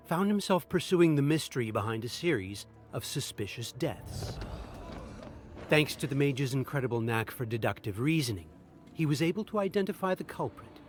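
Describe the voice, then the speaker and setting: A man narrating a dark fantasy game tale as a grave storyteller, in a solemn, dramatic, measured manner. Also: medium pitch, natural voice. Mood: grave, intrigued.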